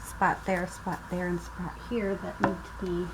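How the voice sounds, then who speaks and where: A woman's voice: lowish voice, little pitch movement. A woman narrating a casual craft tutorial, thinking aloud as she works at a table at home, her voice sometimes turning away from the camera mic. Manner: slow, thinking aloud while working. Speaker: craft vlogger. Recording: audible background noise.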